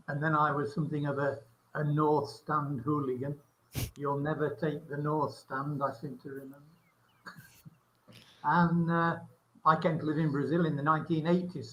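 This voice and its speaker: Older English man, flat steady voice. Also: fairly high pitch, muffled recording, slight background noise. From England, Nottinghamshire. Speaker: podcast guest. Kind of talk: casual reminiscing chat.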